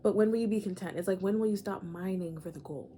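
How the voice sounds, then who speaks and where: Emphatic woman, mellow voice. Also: mid-range voice, quick pace, slight background noise. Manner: emphatic, repeats phrases, says "like" and "y'all" a lot. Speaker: astrology channeler. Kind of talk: casual spiritual monologue to camera.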